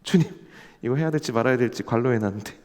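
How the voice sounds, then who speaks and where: A man's voice: medium pitch, quick pace, a little mellow. Earnest male pastor in an echoing hall. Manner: earnest, rising to fervent emphasis. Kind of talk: sermon. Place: church sanctuary. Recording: long church hall reverb.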